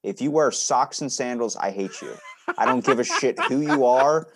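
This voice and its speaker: A man's voice: mid-range voice, normal speed, background noise. A man hosting a podcast in a casual, blunt way, ranting comically with swearing and exaggeration. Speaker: podcast host.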